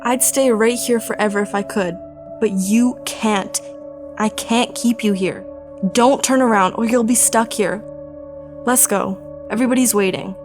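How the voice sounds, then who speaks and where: A woman playing a gentle, melancholy lost young woman in an audio drama, wistful and earnest. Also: a little high, steady tone, measured pace, over music, lightly acted.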